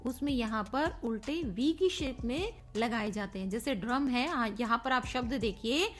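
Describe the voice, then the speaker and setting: A woman's voice: on the high side, animated, normal speed, soft background music. A woman teaching a recorded Hindi grammar lesson, playful and speaking to pupils as children, spelling words out letter by letter.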